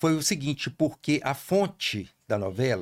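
The pitch swings very widely, and the sound is dry and close with no echo. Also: man. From Belo Horizonte, Minas Gerais, Brazil. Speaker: TV screenwriter and novelist. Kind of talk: podcast interview. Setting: live-streamed studio podcast.

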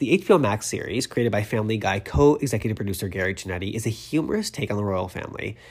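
Speaking at a very fast pace, a man with medium pitch and a somewhat breathy voice uses lively intonation. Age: 30s. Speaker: pop culture podcast host. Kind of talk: casual solo podcast monologue. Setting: recording in bed at home. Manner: animated.

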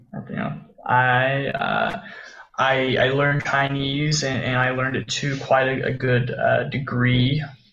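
Background noise is noticeable. The man's voice sits at a medium pitch. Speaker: host's friend. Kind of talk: casual chat. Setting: video call. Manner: slow talker; halting.

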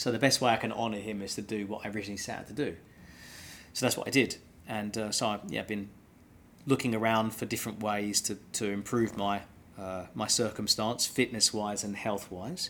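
A man's ordinary speaking voice, fairly low in pitch, fairly quick, with fairly even intonation, on a very clean recording with a silent background. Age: 50s. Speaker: public speaking trainer. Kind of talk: interview.

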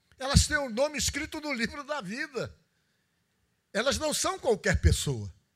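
This man has an extremely high pitch and lively intonation. He keeps a moderate pace, broken by long, frequent pauses. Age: 60s. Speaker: pastor. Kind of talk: sermon.

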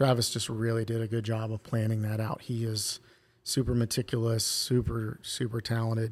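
A man speaks at a medium pitch and moderate pace, somewhat breathy, with monotone, flat intonation. The recording is very clean with a silent background. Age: 50s. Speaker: museum exhibit art director. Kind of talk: interview conversation.

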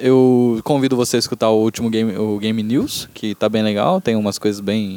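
In a dark, mellow tone, a man talks with hardly any pauses, the sound dry and close with no echo and the recording very clean over a silent background. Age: 20s. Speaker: podcast host. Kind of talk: casual chat. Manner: animated.

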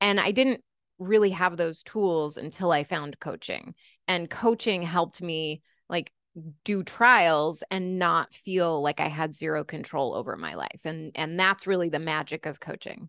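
A woman with an unremarkable speaking voice, fairly low in pitch, at a fairly slow pace with ordinary pitch variation, in a dry, close sound with no echo over a quiet background. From California. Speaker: lawyer and coach. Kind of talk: casual interview chat.

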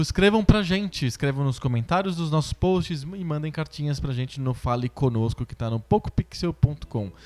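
An unremarkable speaking voice, a man's, fairly high in pitch, at a moderate pace with hardly any pauses and ordinary pitch variation. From Brazil, São Paulo area (São Bernardo). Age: 30s. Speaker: podcast host. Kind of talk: casual chat.

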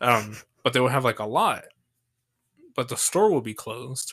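Bright and sharp in tone, a man speaks at a medium pitch with a slight Texan accent. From Texas. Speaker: podcast co-host. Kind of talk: casual chat. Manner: animated, chatty.

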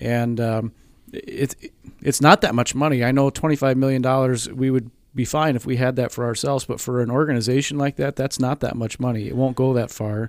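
Using an unremarkable speaking voice, a man talks at a fairly quick pace with medium pitch and fairly even intonation. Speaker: pastor. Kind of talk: casual chat.

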